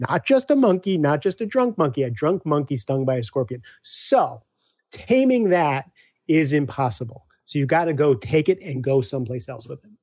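A man speaking as a guest coach in a casual interview, animated, acting out back-and-forth dialogues with clients. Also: a little high, moderate pace, no echo, clean studio sound.

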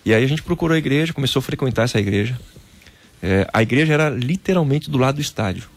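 A man from Brazil, a former footballer, telling a personal faith story in a casual interview, animated and peppered with "cara". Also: mid-range voice, fast.

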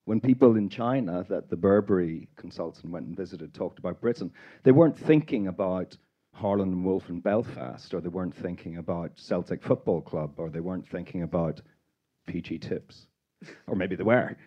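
A man's voice: deep voice, moderate pace, lo-fi sound. A man with a Northern Irish accent, an audience member bluntly challenging a panel. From Northern Ireland. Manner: blunt, emphatic. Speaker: audience member asking a question. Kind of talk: pointed challenge at a panel discussion.

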